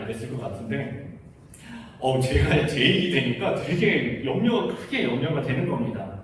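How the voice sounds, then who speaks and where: A man's voice: a little high, fairly bright tone. A man in his thirties, a pastor telling a personal story in a sermon with wry laughs. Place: church sanctuary. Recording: echoey church hall, distant mic, faint hiss.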